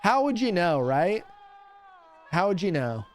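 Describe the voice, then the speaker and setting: A man's voice: high voice, sing-song, unhurried, soft background music. A young man, a radio host streaming casually while opening cards, teasing his chat and laughing often.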